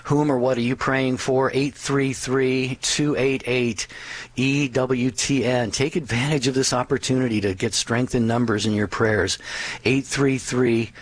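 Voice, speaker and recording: A man co-hosting a call-in prayer radio show, speaking gently and taking listener texts. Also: mid-range voice, steady tone, low-quality recording. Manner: gentle, unhurried, reads texts aloud.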